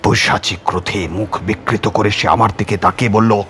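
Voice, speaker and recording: A man's voice: fairly low pitch, fairly even intonation, normal speed, fairly bright tone, faint music behind. A man reading a horror audiobook as its narrator, in a dramatic scripted storytelling style.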